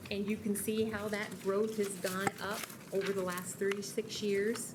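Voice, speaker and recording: A woman speaks at a fairly slow pace with a medium pitch and a monotone, flat intonation. Noticeable background noise and audible room echo are present. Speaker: city official presenting budget. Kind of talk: council meeting presentation. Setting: council chambers.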